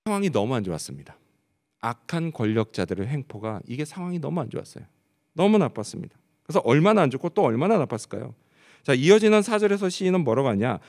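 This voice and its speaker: A man's voice: medium pitch, very animated, fast, a little mellow. A man preaching a sermon as pastor, asking the congregation rhetorical questions and answering them. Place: church sanctuary. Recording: long church hall reverb.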